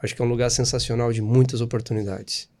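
A Brazilian man in his thirties tells his life story as a podcast guest. His talk is lively and chatty, full of tag questions, and his voice sits at an ordinary male pitch. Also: fast talker. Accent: Brazilian Portuguese. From Espírito Santo, Brazil. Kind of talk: casual storytelling interview.

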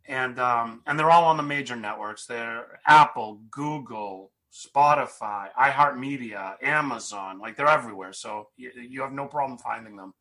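A man's voice: mid-range voice, moderate pace, few pauses, bright, forceful tone, rough recording. A man co-hosting a podcast, chatting casually and rambling a bit, joking about himself. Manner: rambling, self-deprecating, upbeat sign-off. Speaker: podcast co-host.

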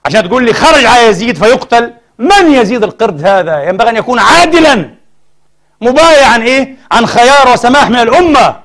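A male preacher delivers a mosque sermon at a quick clip, in a fairly high voice for a man. He fires off rhetorical questions and moves between forceful emphasis and soft, hushed remarks. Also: big pitch swings.

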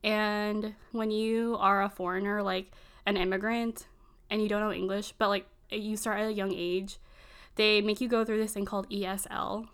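A woman's voice: mid-range voice, flat delivery, fairly bright tone, clean tone. Young woman rambling in casual chat. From Virginia, United States. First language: Filipino. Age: early 20s. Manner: rambling, fills every pause with "like". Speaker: conversation partner.

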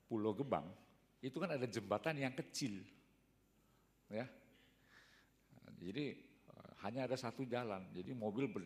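A man's voice: lowish voice, darkish tone. An older man telling everyday stories in a casual, rambling talk, often tagging his sentences with a short "ya". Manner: rambling, fills pauses with a tag "ya". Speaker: speaker giving a talk. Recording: long hall reverb.

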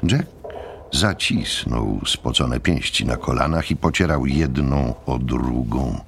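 A man narrating an audiobook drama with measured, deliberate phrasing. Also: rumbling low, lively intonation, vocal fry, noisy background.

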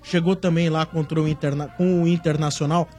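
A man, a regular panelist on a football talk show, arguing in an animated, emphatic way. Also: fairly high pitch, brisk, soft background music. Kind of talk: casual sports debate.

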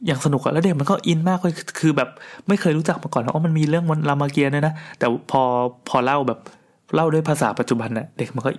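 A man's voice: fairly high pitch, quick pace. Chatty man telling a rambling story. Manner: chatty, rambling, with restarts and crude asides. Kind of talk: casual storytelling monologue.

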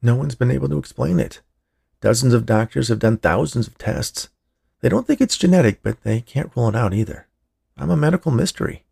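A man voicing a gentle, earnest young man who explains himself patiently in a narrated story. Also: medium pitch, animated, a little fast, creaky, slightly rough, pitched above the performer's own voice, heavily acted. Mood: earnest, resigned.

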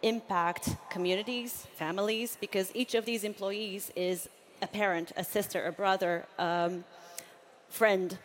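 A woman's voice: medium pitch, fairly even intonation, measured pace. A woman speaking as a business leader on a panel, articulate and conversational, building points in lists.

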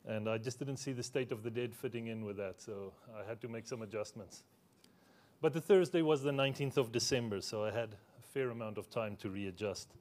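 A man's voice: medium pitch, fairly quick, darkish tone. A man whose first language is Afrikaans, preaching a conversational sermon in a church, with easy humor and questions put to the congregation.

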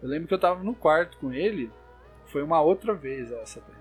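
A man's voice: a little high, expressive, a little fast, soft background music. A young Brazilian man with a Brazilian Portuguese accent chats casually, telling spooky stories with many restarts and fillers. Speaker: storyteller.

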